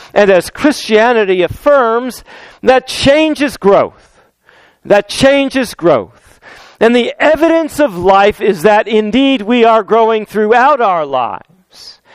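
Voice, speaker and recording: A man with a fairly high, smooth and resonant voice, preaching a sermon. He weaves in stories and scripture and draws out key phrases for emphasis. The sound is close and dry. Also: dry recording, poor audio. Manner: storytelling with anecdotes and scripture, slows down for emphasis. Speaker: pastor.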